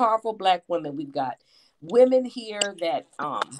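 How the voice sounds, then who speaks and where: Her pitch swings very widely as the woman talks at a fairly slow pace, with a dry, close sound and no echo. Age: 60s. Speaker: call-in show participant. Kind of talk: casual chat. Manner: animated.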